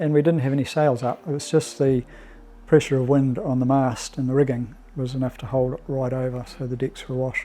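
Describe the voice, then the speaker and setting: A man with a New Zealand accent speaks at a fairly high pitch in a monotone, flat intonation. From New Zealand, Auckland. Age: 60s. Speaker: sailor sharing personal testimony. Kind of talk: testimony. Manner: halting, many fillers and restarts.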